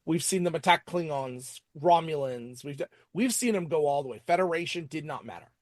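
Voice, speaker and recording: A man hosting a casual podcast recap, talking in a halting way and often repeating words as he goes. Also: a little high, animated, no echo, clean studio sound. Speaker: podcast host reviewing TV episodes. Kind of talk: casual episode recap and commentary.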